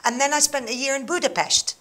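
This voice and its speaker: A woman's voice: high-pitched, fast, a bit bright. A woman guest on a talk show, chatting animatedly with frequent laughs and fillers like um and you know. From England and Greece. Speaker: interview guest, mentoring manager. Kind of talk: casual chat.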